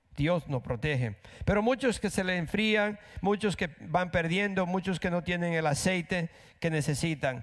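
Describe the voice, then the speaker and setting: A high-pitched male voice at a fairly slow pace, with ordinary pitch variation and very even loudness, on a very clean recording with a silent background. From Latin America. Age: old. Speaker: guest preacher. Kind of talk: sermon. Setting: church. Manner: halting.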